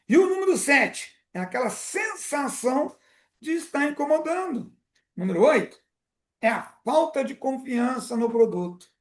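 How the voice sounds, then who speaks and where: Brief: Brazilian male coach, lively swooping delivery, repeats himself as he explains, laughs often. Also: very high voice. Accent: Brazilian Portuguese. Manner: animated, repetitive explaining, frequent laughs. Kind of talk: live coaching session. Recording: roomy echo.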